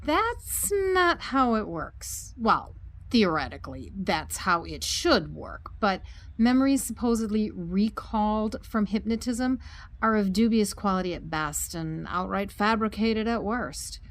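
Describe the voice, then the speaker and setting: An actress playing a level-headed, protective woman doctor in an audio drama, explaining things in a measured, concerned way. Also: mid-range voice, expressive. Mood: measured, explanatory.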